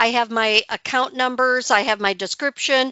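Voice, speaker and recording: A plain, everyday voice from a woman, fairly high in pitch, at a moderate pace with fairly even intonation. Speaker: Excel trainer. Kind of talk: webinar tutorial. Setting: online webinar.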